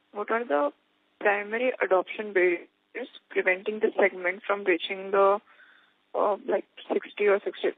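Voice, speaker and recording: A woman's voice: mid-range voice, no room sound. A woman, an analyst putting a prepared question on an earnings call. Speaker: analyst caller. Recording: dry, narrow telephone line.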